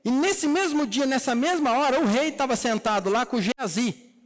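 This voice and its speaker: A Brazilian man preaches in a church hall, his voice pitched notably high. He tells a scripture story in an easy, conversational way and slips into the characters' lines. The sound rings with a long hall echo. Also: normal speed. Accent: Brazilian Portuguese. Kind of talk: sermon retelling a Bible story.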